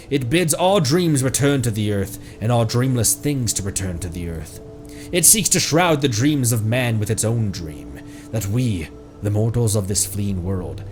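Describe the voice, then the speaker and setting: A male game streamer with a medium-pitched, highly animated voice. He moves between casual commentary and reading in-game text aloud, expressively, with light game music underneath. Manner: expressive, jumps into high-pitched exclamations.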